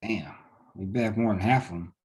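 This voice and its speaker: A man's voice: on the low side, normal speed, a little mellow, natural voice, low-quality recording. A man playing a blunt, profane small-town lawman with a colloquial way of talking in a drama table read. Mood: boastful.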